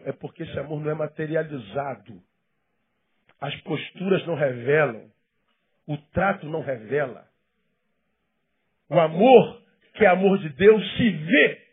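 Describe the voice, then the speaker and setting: A Brazilian Portuguese-accented male pastor delivers a sermon with a husky, fairly high voice. He swings between loud, emphatic lines and quiet, hushed ones. The audio is thin and tinny, like a phone line. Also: big pitch swings, normal speed. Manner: impassioned, shifting from loud emphasis to hushed tones.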